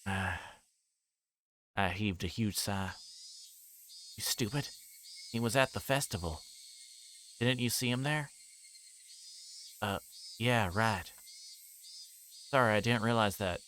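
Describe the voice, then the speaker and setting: A man livestreaming a visual novel, reading its text aloud and breaking into casual, rambling commentary as he thinks out loud. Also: fairly low pitch, slow pace, long pauses, a little hiss or hum.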